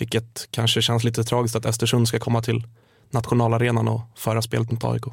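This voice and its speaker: A very clean recording with a silent background carries a somewhat breathy voice at very even loudness, speaking in a flat monotone at a fairly quick pace. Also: man, medium pitch for a man. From Stockholm, Bromma. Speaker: football supporter. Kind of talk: casual chat. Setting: studio.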